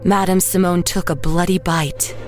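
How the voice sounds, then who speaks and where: An actress playing a haunted woman painter who narrates horror in a measured, literary way. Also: lowish voice, steady tone, a little mellow, soft background music, close to an everyday voice. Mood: uneasy, haunted. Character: haunted woman painter narrating her own murder, dazed and grim. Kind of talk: first-person horror audio drama narration.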